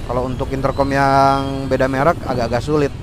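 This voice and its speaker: A man's voice: medium pitch, level tone, fairly quick. A man giving a chatty review while riding his motorbike, talking about himself in the third person, recorded through a helmet intercom mic. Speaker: motorcycle vlogger reviewing gear. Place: on a motorbike outdoors in traffic. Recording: faint road and traffic noise behind.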